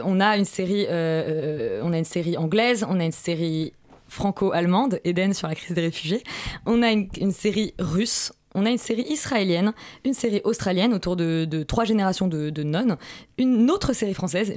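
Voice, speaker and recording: A woman's voice: on the low side, a little mellow. Playful woman hosting a radio show. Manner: brisk and playful, leads the segments. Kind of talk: casual radio chat.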